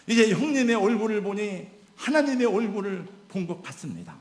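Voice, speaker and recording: A preacher voicing a contrite younger brother confessing. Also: male voice, sits high, very animated, brisk, roomy sound, pitched above the performer's own voice. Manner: contrite, humble. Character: humbled younger brother confessing his wrongs.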